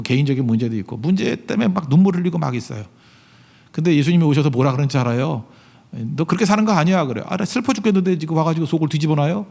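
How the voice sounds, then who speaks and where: A man's voice: fairly high pitch, a little mellow. Emphatic male pastor in a reverberant hall. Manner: emphatic preaching with rhetorical questions to the congregation. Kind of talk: sermon. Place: large church sanctuary. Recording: long reverb of a church hall.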